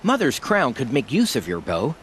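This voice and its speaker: A proud, nervous tribal hunter in a game. His mid-range voice swings in animated, expressive turns as he justifies himself. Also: medium pitch, moderate pace, a little hiss or hum. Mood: appraising. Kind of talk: video game dialogue acting.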